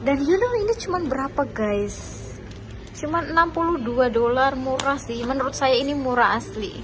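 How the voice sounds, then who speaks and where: A woman's voice: high voice, normal speed, noisy background. A woman, chatting upbeat through a restaurant food review vlog, filmed on a phone at arm's length. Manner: chatty, upbeat, keeps saying "guys", mixes in English words. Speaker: food vlogger. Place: indoor restaurant, cafe table. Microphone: phone camera at arm's length. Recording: loud background music.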